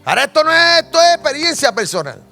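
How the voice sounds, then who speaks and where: Puerto Rican male pastor, high voice, animated sermon storytelling, faint music underneath. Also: fast, gravelly. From Puerto Rico. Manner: animated storytelling, asks the congregation questions. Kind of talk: sermon testimony.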